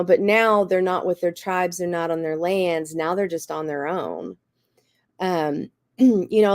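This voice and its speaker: Slightly raspy, low-pitched woman, dry sound. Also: no room sound. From Cherokee Nation. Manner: earnest, fills with "you know" and "um". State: raspy voice with a cough. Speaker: guest speaker. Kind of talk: explanatory talk.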